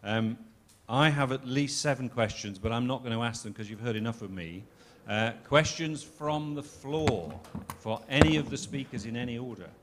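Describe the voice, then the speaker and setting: A man's voice: mid-range voice, normal speed, slight background noise. Informal man moderating a panel. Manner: informal, chatty. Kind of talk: conference moderation. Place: conference hall.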